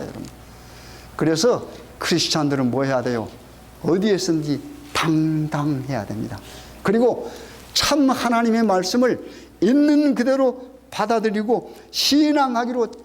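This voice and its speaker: High-voiced pastor preaching with questions. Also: male voice, a little hiss or hum. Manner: call-and-response questioning, emphatic. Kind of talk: sermon. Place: church sanctuary.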